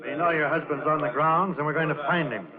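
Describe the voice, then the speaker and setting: An actor playing a curt, no-nonsense police sergeant in a 1950s radio drama, on a tinny old broadcast. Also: male voice, a little high, quick pace, crowd noise, lightly acted. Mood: stern. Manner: curt, firm.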